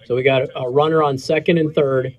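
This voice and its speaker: A man's voice: mid-range voice, steady tone, a little fast, narrow, tinny audio. A man in his thirties, a fill-in radio host who has been losing his voice, chatting casually and joking between segments. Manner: joking, throat-clearing, banter about baseball. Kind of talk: casual off-air chat during a live stream.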